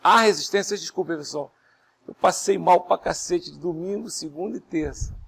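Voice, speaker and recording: A male university professor gives a classroom lecture in a higher, hoarse and gravelly voice, strained after illness. Soft and patient, he explains things step by step, poses rhetorical questions to the class, and speaks unhurriedly, pausing to breathe.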